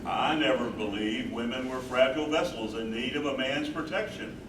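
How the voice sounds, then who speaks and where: A man's voice: medium pitch, moderate pace, natural voice. An older man playing an earnest, devoted husband and caregiver in a staged reading, with emphatic phrasing. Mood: reminiscing. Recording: roomy, distant, noisy live stage recording.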